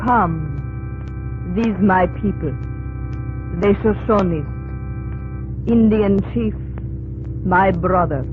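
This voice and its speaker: An actress playing a determined Native American wife and guide who speaks halting broken English in an old radio drama. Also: female voice, medium pitch. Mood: proud. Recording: tinny old radio recording, music behind.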